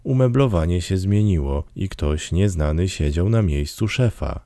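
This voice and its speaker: A man reads a classic story aloud in measured, dramatic narration. His voice sits low, with a gravelly rasp and a mellow, dark tone. Recorded close and dry, with no room sound. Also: no room sound. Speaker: audiobook narrator. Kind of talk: scripted narration.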